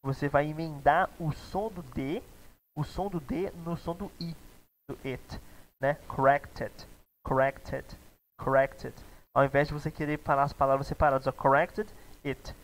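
A man's voice: fairly high pitch, fairly even intonation, normal speed, low-quality recording. A young man with a Brazilian Portuguese accent, teaching a live online English class in a casual, chatty way, often checking in with his students.

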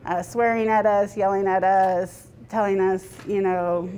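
A woman's voice: mid-range voice, steady tone, measured pace, mellow. A woman in her thirties, a restaurant owner, talking candidly in a news interview in her dining room, retelling events. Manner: candid, conversational, tells events with quoted speech.

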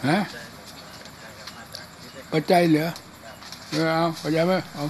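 An elderly monk gives a loose, chatty dharma talk, slipping into acted voices for his funny stories. His voice sits high for a man, with a faint hiss of noise under it. He is hard of hearing. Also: level tone, slow pace. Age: older. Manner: chatty and humorous, acts out voices in anecdotes. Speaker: Buddhist monk. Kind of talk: informal dharma talk and storytelling.

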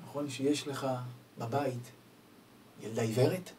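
A man voicing a calm, saintly old rabbi who speaks quietly and gently. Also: medium pitch, natural voice. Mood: gentle. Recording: distant mic, faint background noise.

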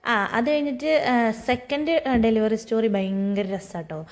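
A woman in her thirties tells a personal story to her viewers in a relaxed, chatty way. Her voice sits a little high, and she fills pauses with small sounds and friendly tags. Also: a little hiss or hum. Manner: chatty, frequent fillers and tag "ട്ടോ". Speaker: vlogger. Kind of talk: casual storytelling vlog.

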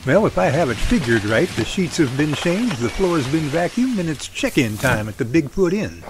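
Man playing a lively, wry dad. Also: a little high, moderate pace, background noise. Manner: wry, sardonic, folksy. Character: wisecracking middle-aged father, a Bigfoot researcher, wry under danger.

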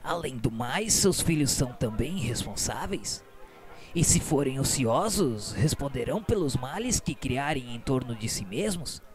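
A man playing a patient, kindly healer in a radio novela, speaking in a gentle, measured, soothing way. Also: medium pitch, big pitch swings. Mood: gentle, reassuring. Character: patient, kindly male spirit-world healer. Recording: music under the voice.

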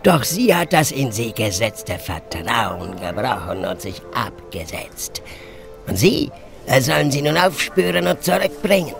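An actor playing a stilted, slyly amused alien client in a science fiction radio play, formal and halting, with odd chuckles. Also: male voice, mid-range voice, big pitch swings, creaky. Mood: sly, businesslike. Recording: music under the voice.

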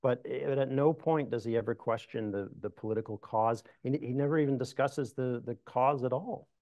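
A middle-aged man, a historian, answering audience questions in a meeting room, measured and thoughtful with frequent restarts. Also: medium pitch, a little mellow, no echo, dull audio. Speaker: historian giving a talk. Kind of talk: lecture Q&A answers.

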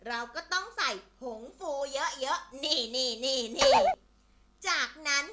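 Shrill, scheming frizzy-haired witch. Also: animated, unhurried, very noisy. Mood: brazen, cheerful. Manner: theatrical, cackling, sing-song. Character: frizzy-haired scheming witch, gleefully cooking junk food. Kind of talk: exaggerated children's story acting.

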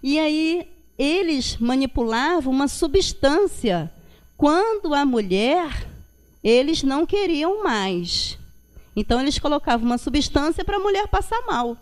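With a high-pitched, very animated and slightly slow delivery, a Brazilian woman from Rio lectures as a guest at a Spiritist centre. Her talk is informal and reflective, full of little checking tags, set in a meeting hall with a projection screen.

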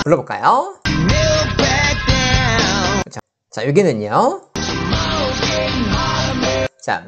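Slow, careful Korean woman teaching pronunciation. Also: very deep voice. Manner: slow, careful demonstration of lyrics, breaking phrases apart. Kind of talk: pop song pronunciation lesson.

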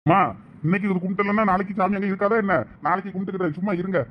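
A man's voice: sits high, flat delivery, very fast, muffled recording, a little hiss or hum, lightly acted. A man in a village comedy skit, playing an impatient young son who bickers with his mother and friend. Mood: exasperated. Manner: exasperated, bickering.

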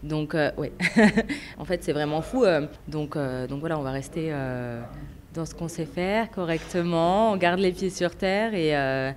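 A woman restaurant owner answering interview questions, excited and laughing often. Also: deep voice, measured pace.

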